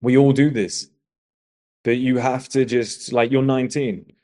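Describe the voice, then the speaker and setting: A man's voice: mid-range voice, steady tone, a little slow, mellow. Blunt, foul-mouthed man giving advice. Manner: swears freely, blunt and emphatic.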